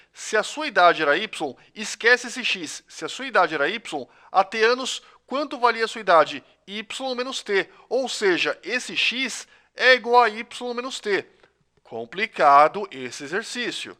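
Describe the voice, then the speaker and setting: Bright-voiced high male math teacher. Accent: Brazilian Portuguese. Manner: patient step-by-step explaining, addresses students directly. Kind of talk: recorded math lesson.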